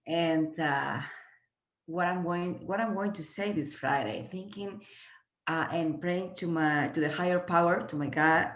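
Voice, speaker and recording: A woman's voice: fairly low pitch, fairly bright tone. Earnest Peruvian-born woman, echoey room. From Peru. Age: 50s. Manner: earnest, halting, many fillers and restarts. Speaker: guest trainer. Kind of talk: motivational talk on a video call. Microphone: video call.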